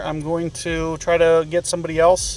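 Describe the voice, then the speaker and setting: This man has an American accent. He speaks with a high pitch. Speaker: mobile game streamer. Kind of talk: live gameplay commentary. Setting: live stream. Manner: casual, with filler hesitations.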